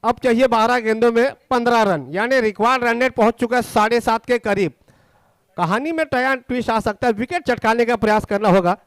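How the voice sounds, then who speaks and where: An Indian man calls a cricket match live in a very high-pitched, smooth and clear voice. He sounds excited as he follows the play ball by ball and keeps restating the score. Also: fairly quick, no echo.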